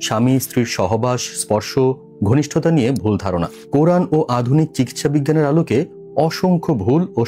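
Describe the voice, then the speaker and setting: A male voice-over artist reads a scripted promotional book review in a measured, persuasive, explanatory way. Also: medium pitch, warm tone. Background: faint background music.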